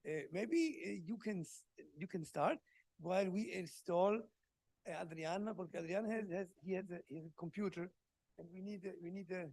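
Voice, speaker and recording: A man's voice: high-pitched, moderate pace, a little mellow, no echo. A man chairing a conference session, speaking English hesitantly and restarting his phrases. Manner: hesitant, restarts phrases, mixes in Portuguese words. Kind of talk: halting conference announcement.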